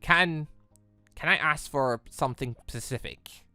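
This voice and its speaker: A man voicing a formal, guarded and lonely sentient female AI in a visual novel, with measured, solemn delivery. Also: on the high side, pushed and bright, dry recording, soft background music, exaggerated voice. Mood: shy.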